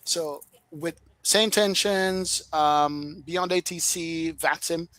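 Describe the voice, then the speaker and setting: A man with a Jamaican accent, a flight sim streamer telling a lively story in a casual podcast chat, laughing often. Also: a little high, slow, no room sound.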